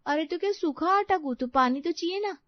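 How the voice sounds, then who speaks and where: A woman's voice: very high voice, a little fast, no room sound, lo-fi sound, voice pushed up. A woman voicing a careless, naive young daughter-in-law in a cartoon story, speaking in a whiny, innocent way. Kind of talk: Hindi cartoon story voice acting.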